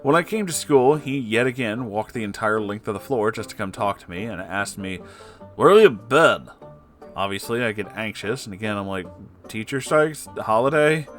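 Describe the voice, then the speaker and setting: Low-voiced man narrating with theatrical flair. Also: a little fast, few pauses, soft background music. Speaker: host reading Reddit stories. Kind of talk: expressive narration of an online story with asides.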